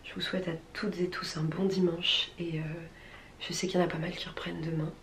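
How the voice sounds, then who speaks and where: A French woman chatting casually in a vlog, her voice husky with a smoker's rasp. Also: on the low side, flat delivery, fairly quick, fairly bright tone, roomy sound, a little hiss or hum. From France, from Rouen. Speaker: vlogger.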